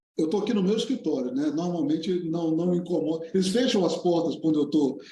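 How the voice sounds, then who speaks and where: Loudness stays very even, and the pitch varies in an ordinary way. The pace is fairly quick, with noticeable background noise. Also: man, high pitch for a man. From Brazil, Goiás. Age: 50s. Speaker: surgeon. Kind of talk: casual chat.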